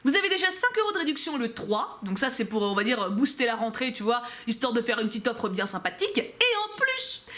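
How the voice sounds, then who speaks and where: Unboxing a subscription box for her viewers, a young French-accented woman talks casually, laughing and slipping in brief asides. Her voice is on the high side and a bit bright.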